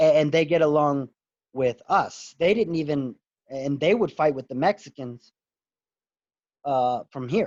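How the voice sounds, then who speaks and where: A man with a Puerto Rican accent, his pitch fairly high, at a fairly slow pace with long, frequent pauses and ordinary pitch variation. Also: dry, close sound with no echo. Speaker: former prisoner. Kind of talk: podcast interview. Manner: animated.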